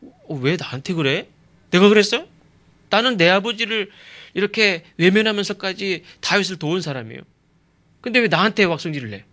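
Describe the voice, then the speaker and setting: An aggrieved young prince, played by a male preacher grumbles that his loyalty goes unthanked. He fires off pointed rhetorical questions in a bright, forceful voice pitched a little high. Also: normal speed, pauses often. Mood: indignant, aggrieved. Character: indignant young prince, loyal friend feeling wronged.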